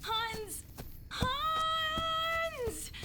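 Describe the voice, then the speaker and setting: A woman's voice: very high-pitched, extremely slow, background noise, heavily acted. An actress playing an anxious young village huntress in an audio drama, earnest and pleading in her delivery. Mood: desperate pleading. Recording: outdoor ambience with birdsong.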